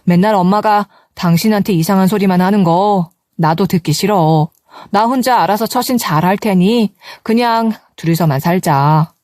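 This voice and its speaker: A gentle, devoted young husband, as a woman narrator puts him on, voice dropped low and soft. He reassures calmly, recorded close and dry for a story narration. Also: normal speed, no room sound, close to an everyday voice.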